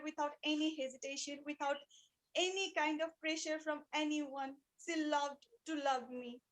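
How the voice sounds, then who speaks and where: A woman who is a non-native English speaker, giving a rehearsed personal speech in an earnest, emotive way with deliberate repetition. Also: high-pitched, fairly bright tone, rough recording. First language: not English. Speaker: speech club participant giving a practice speech.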